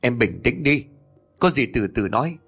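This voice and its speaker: A man voicing a worried young husband in a horror story, hurried and pleading. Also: medium pitch, big pitch swings, gravelly, fairly bright tone, breathy edge, faint music behind, full character voice. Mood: bewildered.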